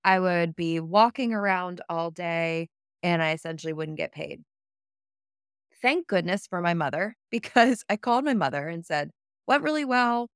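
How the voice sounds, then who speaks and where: A woman giving career advice as a vlog host, speaking in an upbeat, tidy, organized way with a clear, smooth voice. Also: fairly low pitch, normal speed, dry recording, clean studio sound. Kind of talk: scripted-sounding advice vlog to listeners.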